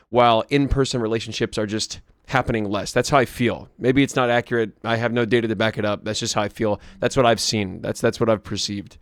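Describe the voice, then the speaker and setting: A hoarse young man vlogging, telling a rambling story to camera with many restarts and asides. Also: mid-range voice, no room sound, studio quality.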